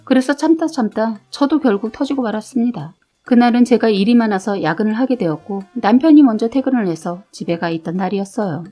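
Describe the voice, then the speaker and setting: Woman narrator, fairly high voice, first-person story reading, soft music behind. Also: brisk. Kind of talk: reading a listener's story aloud.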